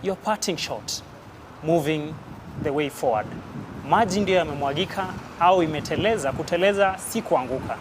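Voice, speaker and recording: A man's voice: fairly high pitch, expressive, normal speed, noisy background. A man with a Kenyan accent hosting a live talk show, with a formal, polished presenter's delivery.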